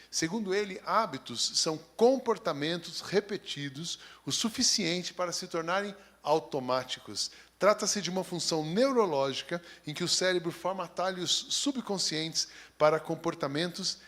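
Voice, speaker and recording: High-voiced Brazilian pastor preaching. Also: male voice, a bit bright. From São Paulo, Brazil. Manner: reads scripture steadily, then chats in a folksy, joking way. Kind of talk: sermon with scripture reading.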